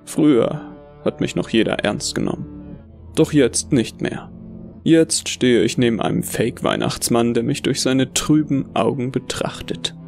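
A male actor narrates as a bitter, deluded Santa in a horror story. His mid-pitched voice is gravelly and brooding, full of contempt, with music underneath. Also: very animated, a little slow, a little mellow. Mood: bitter, contemptuous. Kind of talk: dramatic first-person horror narration. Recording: music behind the voice.

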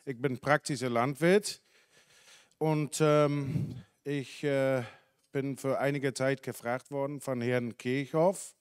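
A man in his forties from the Netherlands, a dairy farmer speaking German with a Dutch accent, giving a halting talk full of fillers and self-corrections into a handheld mic in a conference hall. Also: mid-range voice, steady tone, clear, resonant tone, clean studio sound. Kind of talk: unscripted talk at a symposium. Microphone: handheld microphone.

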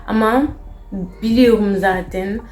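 A young adult woman from Cameroon with a Cameroonian accent, a non-native learner speaking halting, broken Turkish as she tells stories casually to camera. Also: medium pitch, fairly even intonation, a little mellow. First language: not Turkish, a foreign learner. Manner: foreigner's broken Turkish, halting with word searches. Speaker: vlogger. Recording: roomy echo, faint music.

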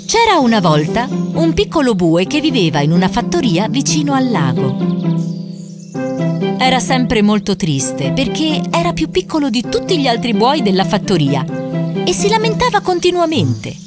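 A woman's voice: a little high, huge pitch swings, moderate pace. A woman narrating a scripted bedtime fable for children as storyteller. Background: loud music.

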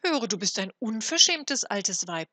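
A woman's voice: on the low side, moderate pace, pushed and bright, no room sound. A woman reading aloud, voicing a bold little boy who scolds in an upset way. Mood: indignant. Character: small indignant boy, bold.

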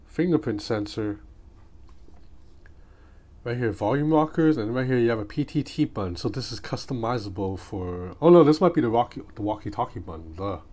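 A man of medium pitch and mellow tone talks at normal speed with lively intonation, giving off-the-cuff, hands-on commentary in a casual gadget unboxing vlog. Ambient street noise from outside fills the small home room, leaving the recording clearly noisy.

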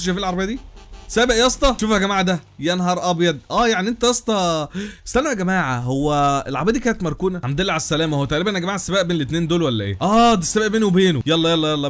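A young man with an Egyptian Arabic accent giving excited gameplay commentary, exclaiming, laughing and talking straight to his viewers. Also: high voice. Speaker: gaming YouTuber.

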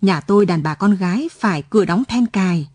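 A woman reading the lines of a stern older mother, speaking quietly but cuttingly. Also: medium pitch, animated, fairly quick, slightly rough, dry recording. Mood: cold warning. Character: stern older mother guarding her daughter.

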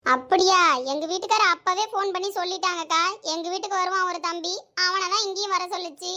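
A woman's voice: very high-pitched, fairly even intonation, fast talker, sharp tone. A woman playing a chatty neighbor who probes about a marriage match. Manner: chatty, probing. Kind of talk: amateur family drama acting.

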